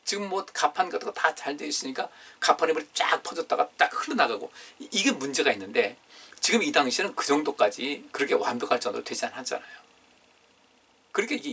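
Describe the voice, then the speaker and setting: A man's voice: fairly high pitch, gravelly, pushed and bright, husky. A man pastor preaching a Friday prayer meeting sermon in a conversational way, reading scripture aloud and asking the congregation questions. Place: church. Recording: distant, room-miked sermon recording.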